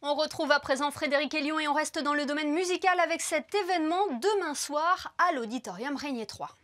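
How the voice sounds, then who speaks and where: A woman with a high, bright-toned voice anchors a television news bulletin. She reads her links smoothly and briskly, handing over between stories.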